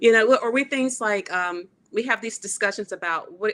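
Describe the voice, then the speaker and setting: A woman's medium-pitched voice in a Southern US accent, animated, bright and sharp in tone, with ordinary pitch variation. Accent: Southern drawl. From US South, Mississippi. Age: 60s. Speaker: model and performer. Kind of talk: casual chat. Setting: live video show.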